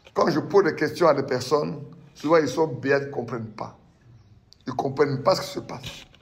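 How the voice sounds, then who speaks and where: The man's voice is fairly high, with ordinary pitch variation. Audible room echo surrounds it. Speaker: preacher. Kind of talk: prayer; sermon.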